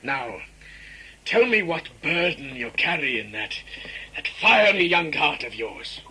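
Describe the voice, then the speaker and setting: A man's voice: on the high side, sing-song, takes it slowly, pushed and bright, slightly rough, full character voice, poor audio. A man acting a proud, commanding tribal lord and stern adoptive father in a sci-fi audio drama, speaking formally. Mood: tender, grave. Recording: amateur audio play with background noise.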